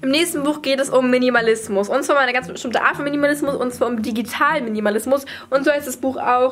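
A woman's high-pitched, very fast speech with fairly even intonation and light background noise. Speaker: book vlogger. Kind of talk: casual vlog chat. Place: home room. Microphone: webcam.

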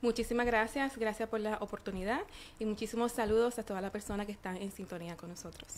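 Someone speaks at a very fast pace with fairly even intonation and big swings in loudness, with light background noise. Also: woman, fairly high pitch for a woman. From Puerto Rico (born Dominican Republic). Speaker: psychotherapist. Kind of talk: radio interview. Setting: radio studio. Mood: grateful, warm. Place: studio. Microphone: studio mic.

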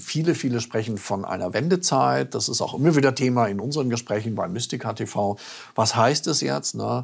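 Lively intonation marks this man's voice. He keeps a moderate pace. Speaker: interview guest. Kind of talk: interview answer. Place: studio. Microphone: headset.

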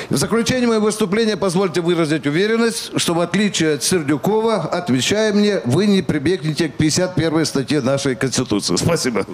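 A man speaks at a fairly quick pace with hardly any pauses. His voice is high-pitched, with lively intonation. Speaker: politician. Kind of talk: question to the president. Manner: formal. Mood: pointed, mildly ironic. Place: studio. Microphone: handheld.

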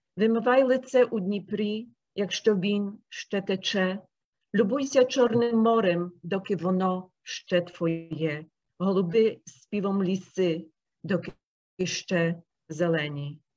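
A woman at a medium pitch with ordinary pitch variation, at a very slow pace over a quiet background. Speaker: poet. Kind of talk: reading aloud. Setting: video call. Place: home room. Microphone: video call.

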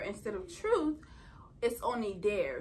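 A woman is speaking. Light background noise is present. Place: home room. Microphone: camera far.

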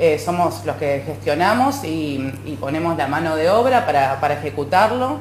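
The voice moves at a fairly slow pace, with audible room echo and light background noise. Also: woman, very deep, low pitch for a woman. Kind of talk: interview answer. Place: studio. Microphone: lapel.

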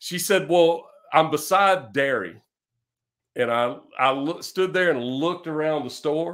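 A man speaks with a Southern US accent. His pitch is fairly high, and the background is quiet. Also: ordinary pitch variation, fairly slow pace. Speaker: podcast co-host, hot tub serviceman. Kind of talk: casual chat. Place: home room.

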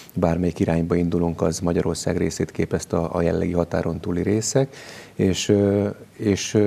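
Very deep and low, this man's voice has a dark, mellow tone. His intonation is fairly even. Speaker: guest. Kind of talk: interview answer. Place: studio. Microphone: lapel.

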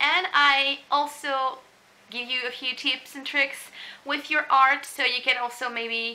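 A woman's raised, projected voice, high-pitched, bright and sharp in tone, with fairly even intonation at a fairly slow pace. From France. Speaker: artist and YouTuber. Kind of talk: art tutorial voiceover.

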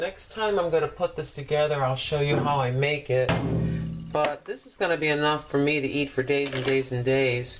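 Background music is audible. The talking is fairly quick. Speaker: home cook vlogger. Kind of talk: casual vlog chat. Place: kitchen. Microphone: phone near.

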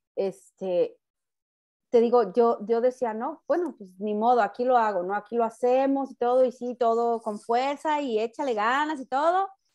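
Against a quiet background, a woman talks at a fairly slow pace with big swings in loudness. Her pitch is high, with ordinary variation. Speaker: mother; radio guest. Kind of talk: casual chat. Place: home room. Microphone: earbuds.

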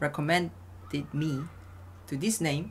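A very slow delivery in a Korean accent, marked by vocal fry. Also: woman. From South Korea. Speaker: Go streamer and commentator; Go streamer, commentator. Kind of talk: live game commentary. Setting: live stream. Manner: animated. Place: home room. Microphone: webcam.

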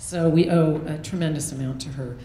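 Fairly even in intonation, the speaker has an American accent, with noticeable background noise behind. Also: woman. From Oregon, US Pacific Northwest. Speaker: law school academic support director; law professor giving a speech. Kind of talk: speech at a celebration. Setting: event with live audience. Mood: warm, grateful, reflective. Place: hall. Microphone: handheld.

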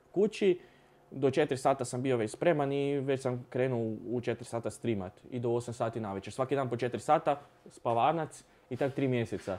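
The speaker is a man. He talks at a moderate pace. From Croatia, Koprivnica (Podravina); Croatia. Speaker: gaming streamer. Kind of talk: casual interview. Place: studio. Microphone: studio mic.

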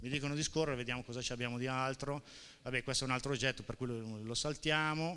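Talking at a very fast pace, a man uses a bright, sharp tone and fairly even intonation. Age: 40s. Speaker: local district councillor. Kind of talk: public presentation with slides; public meeting report. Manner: halting. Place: hall.

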